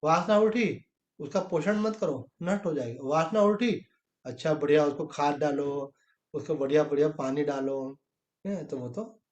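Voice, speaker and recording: A man's voice: on the high side, darkish tone, roomy sound. A man, a swami, giving a spiritual discourse, who asks rhetorical questions and answers them himself, using homely examples. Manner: conversational, with everyday examples and short quoted exchanges. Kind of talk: sermon on the Gita.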